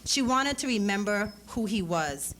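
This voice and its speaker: Female reader, mid pitch, dramatic literary delivery, live event with audible background noise. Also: lively intonation, measured pace, fairly bright tone. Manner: acts out dialogue in character voices. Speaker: author reading a story. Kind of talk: dramatic literary reading of fiction. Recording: clearly noisy live event recording.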